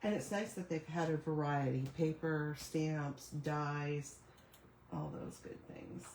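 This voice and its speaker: A middle-aged woman with a raspy voice, recovering from a cough, chatting casually through a live paper craft demo and apologizing for her computer trouble. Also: sits low, fairly even intonation, takes it slowly. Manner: chatty, apologetic, thinking aloud over tech trouble. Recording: echoey room with faint noise.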